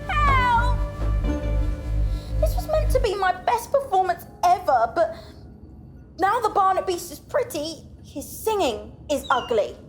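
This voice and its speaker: A woman's voice: extremely high pitch, very animated, takes it slowly, pauses often, exaggerated voice. A woman voicing a vain, dramatic young female pop star captain in a cartoon, bossy and whiny, with music behind. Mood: worried.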